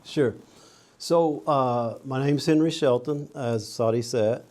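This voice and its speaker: A man's voice: mid-range voice, slow pace, darkish tone. A man from Dallas, Texas, a guest with a biomedical engineering background speaking plainly in a casual interview.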